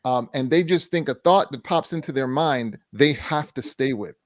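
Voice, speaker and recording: A man co-hosting a mental health talk show, answering a viewer's question in a measured way and repeating key phrases for emphasis. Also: mid-range voice, no room sound.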